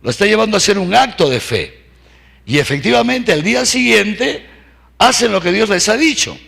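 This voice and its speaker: A man preaching to seminarians, telling the story in an animated way, acting out voices and shouts, and asking the audience for agreement with short tags. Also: sits high, normal speed, creaky, slightly rough.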